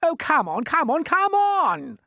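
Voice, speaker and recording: A woman voicing a loud, bossy, boastful male centipede in a storybook reading, shouting and bragging. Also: high-pitched, wildly swooping pitch, unhurried, no room sound, studio quality, pitched above the performer's own voice, full character voice. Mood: angry shouting.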